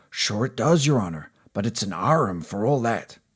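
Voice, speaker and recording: Using a raspy, put-on character voice at medium pitch, a man makes very wide pitch swings on a very clean recording with a silent background. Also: moderate pace. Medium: read story. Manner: deferential.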